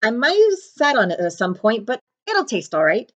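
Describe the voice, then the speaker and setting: A woman voicing a friendly, gruff, hungry giant man from a storybook, with rustic, ungrammatical speech. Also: fairly high pitch, big pitch swings, moderate pace, a bit bright, highs cut off. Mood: warm, jovial.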